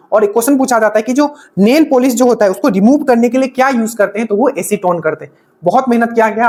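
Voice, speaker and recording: A woman teaching an exam-prep lesson, explaining step by step, repeating key points and often checking in with her students. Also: a little high. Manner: explains step by step, often checking in with "okay" and asking rhetorical questions. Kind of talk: exam-prep classroom lecture.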